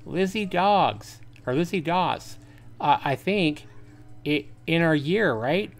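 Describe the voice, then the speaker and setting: A man acts out a brash high school boy from a visual novel, teasing and slangy. The voice sits higher, pushed up into a mocking, jeering tone, with faint music underneath. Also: expressive, slow. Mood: incredulous gossip.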